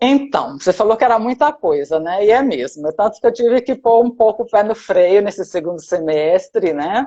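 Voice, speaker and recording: A woman talks at a moderate pace with very wide pitch swings and hardly any pauses. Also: medium pitch for a woman. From Bahia, Brazil. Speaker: psychologist and psychoanalyst. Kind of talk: interview.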